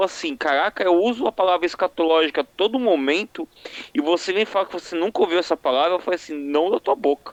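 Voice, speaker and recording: Dry and close with no echo, a man talks at a high pitch with lively intonation. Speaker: RPG news show co-host. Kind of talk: casual chat. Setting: live stream. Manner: halting.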